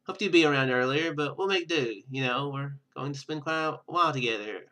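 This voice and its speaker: A man's voice: on the high side, brisk, bright, forceful tone. A man voicing a determined young female student and secret fighter in a visual novel game, earnest and confiding.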